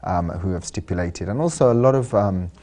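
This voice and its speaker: A man's voice: deep voice, brisk, warm tone. A man, an artist and designer, answering interview questions thoughtfully in a studio, with frequent ums and you-knows. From London. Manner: thoughtful, uses fillers like um and you know.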